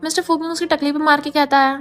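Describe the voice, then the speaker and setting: A woman narrating a drama plot recap in brisk storytelling, mixing in English words. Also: high voice, level tone, soft background music.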